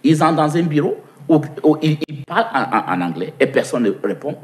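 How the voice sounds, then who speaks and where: A man's voice: fairly high pitch, very animated, fairly quick. A man from Cameroon with an English-speaking Cameroonian accent, answering interview questions at length. He often repeats words as he searches for them and asks himself questions before he answers. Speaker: interview guest.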